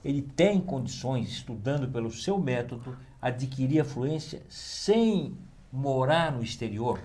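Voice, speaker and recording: A male interviewer with a warm, mellow voice at middle pitch. He frames his questions carefully and at length, probing his guest. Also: expressive, measured pace. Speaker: talk-show host.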